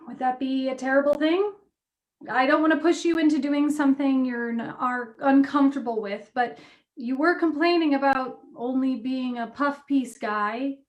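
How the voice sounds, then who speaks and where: A woman acting as a supportive editor friend in a play reading. Her voice is high-pitched. She talks directly and encouragingly, with natural conversational phrasing. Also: normal speed, lo-fi sound, lightly acted. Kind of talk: virtual staged play reading, naturalistic dialogue.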